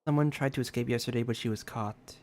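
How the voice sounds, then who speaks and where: A man streaming a story game. His voice sits at an average pitch as he reads the on-screen text aloud and drops into casual, conversational commentary. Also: fairly even intonation, fast talker, a little mellow, a little hiss or hum.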